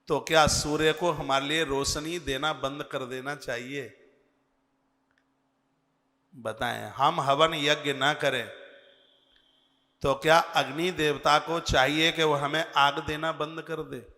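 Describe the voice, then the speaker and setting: Slow, bright-voiced male preacher in a hall. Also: on the high side. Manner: slow, earnest, chants scripture verses. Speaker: religious preacher. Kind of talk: devotional sermon.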